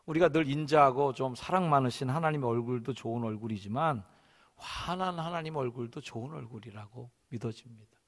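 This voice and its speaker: A male senior pastor preaching a sermon in a church sanctuary, animated and acting out the voices in his stories. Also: mid-range voice, brisk, long reverb tail.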